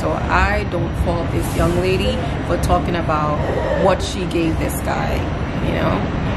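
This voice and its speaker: A woman talks at a fairly slow pace. Loud background noise is present. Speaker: vlogger. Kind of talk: casual vlog chat. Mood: opinionated, defending someone. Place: train. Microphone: phone near.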